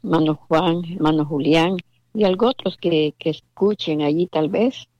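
A woman's voice: deep voice, normal speed, a little mellow. A woman calling a radio show by phone to give devout greetings and blessings. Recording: dull, lo-fi phone call.

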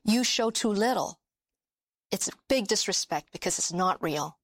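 Woman filmmaker guest, mid-pitched voice, dry close sound, reflective. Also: animated, moderate pace, no echo. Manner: reflective, searching, with restarts. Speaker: documentary filmmaker and journalist guest. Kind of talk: interview answers.

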